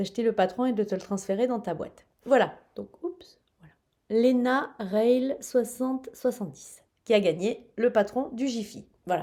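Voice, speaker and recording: The voice moves at a fairly slow pace with ordinary pitch variation and a dark, mellow tone. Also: woman, fairly high pitch for a woman. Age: 50s. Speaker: knitting podcaster. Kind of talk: casual chat. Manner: hesitant, many filler sounds.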